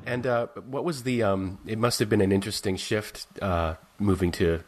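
A male podcast host with a very deep voice introduces his guest and asks questions. He speaks in a measured way, with frequent filler sounds. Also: steady tone, a little hiss or hum. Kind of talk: interview hosting.

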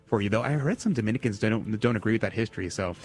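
A man's voice: fairly low pitch, quick pace, a little mellow, breathy edge. A man hosting a call-in radio quiz, teasing and upbeat. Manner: teasing, playful quizmaster. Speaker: radio host.

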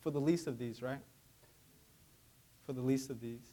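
A man's voice: mid-range voice, normal speed, dark tone. A young man with Vietnamese as his first language, preaching a sermon in a conversational way and often asking "right?". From Vietnamese American, raised in Georgia. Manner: conversational, frequent "right?" tag questions.

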